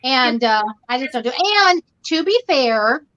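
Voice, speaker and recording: A middle-aged woman hosts a casual livestream from her bedroom, her voice high and bright. She talks loudly and animatedly, rambling through anecdotes with quoted dialogue. The sound is dull and lo-fi. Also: unhurried. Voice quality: loud, animated storytelling voice. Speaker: livestream host. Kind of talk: casual chat. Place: bedroom at home.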